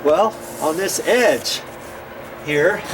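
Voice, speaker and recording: A man's voice: fairly high pitch, drawn-out words. A man hosting a casual hands-on DIY tutorial, rambling in a folksy way and asking himself questions that he then answers. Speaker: DIY video host. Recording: noisy, tool rasping and scraping sounds.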